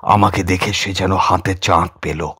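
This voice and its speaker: A man's voice: sits low, steady tone, measured pace, sharp tone. A man reading a horror audiobook as its narrator, in a dramatic scripted storytelling style.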